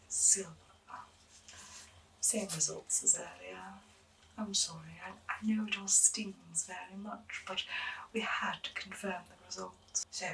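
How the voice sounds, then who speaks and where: A woman playing an eccentric, doting and gently menacing doctor in a breathy, whispered ASMR medical roleplay, with soothing, genteel endearments. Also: on the low side, far from the mic, a little hiss or hum, full character voice, low-quality recording.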